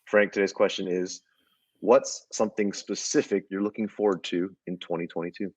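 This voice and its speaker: A man's voice: low-pitched, steady tone, normal speed, slightly rough, no echo. A man hosting a podcast, asking questions in a dry, teasing way. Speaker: podcast host. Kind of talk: casual podcast conversation.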